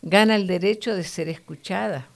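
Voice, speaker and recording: A woman's voice: medium pitch, moderate pace, creaky. A middle-aged woman co-hosting a Christian women's talk program, teaching from the Bible in an earnest, conversational way with frequent tag questions.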